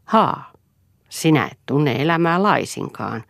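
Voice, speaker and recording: A woman's voice: low-pitched, big pitch swings, creaky, fairly bright tone, no echo, studio quality, voice pushed up, full character voice. A woman reading a sneering bitter husband. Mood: scornful. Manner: sneering, provoking. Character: bitter, scornful middle-aged husband.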